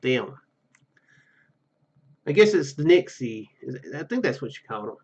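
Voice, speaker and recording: A man hosting a gameplay video, reading story narration aloud haltingly with casual comments. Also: mid-range voice, very animated, a little mellow, highs cut off. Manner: halting reading, stumbles and repeats words. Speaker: gaming video host.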